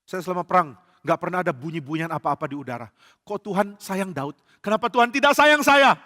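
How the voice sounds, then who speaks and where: A man's voice: sits high, animated, brisk, bright, forceful tone. A male pastor voicing a scheming, jealous King Saul in a sermon story, sly and whiny by turns. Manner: shifts from sly sweetness to whiny spite. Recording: church hall reverb.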